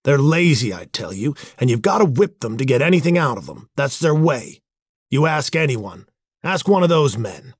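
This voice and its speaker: A man's voice: medium pitch, big pitch swings, moderate pace, husky, no echo, clean studio sound, pitched above the performer's own voice. A man voicing an arrogant, hot-tempered young man in a storybook, curt and scornful. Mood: angry, scornful.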